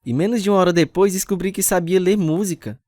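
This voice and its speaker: A man acting as an earnest, troubled young Bible college student who tells his story in a measured, confessional radio drama style. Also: high-pitched, darkish tone, no echo, studio quality, lightly acted. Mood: friendly. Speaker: narrator and lead actor. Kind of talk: dramatized first-person radio testimony. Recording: music under the voice.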